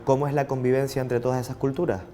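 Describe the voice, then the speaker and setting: A man's voice: mid-range voice, flat delivery, quick pace, dark tone, slight background noise. A man working as a TV reporter, putting interview questions to pupils.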